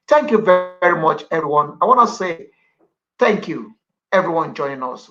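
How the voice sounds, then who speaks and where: A man's voice: fairly high pitch, bright, forceful tone, muffled recording. A man hosting a radio talk show, speaking formally with repeated phrases and hesitations. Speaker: radio host.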